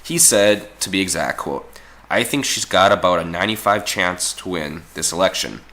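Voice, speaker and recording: A man hoarse from a cold giving opinionated, informal political commentary in an emphatic, repetitive way. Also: deep voice, bright, forceful tone.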